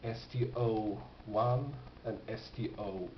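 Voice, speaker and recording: Guy talking real slow and halting, lowish voice, casual show and tell in a room. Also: steady tone. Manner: halting, pausing, thoughtful delivery. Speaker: record collector presenting finds. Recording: dull, noisy, echoey home recording.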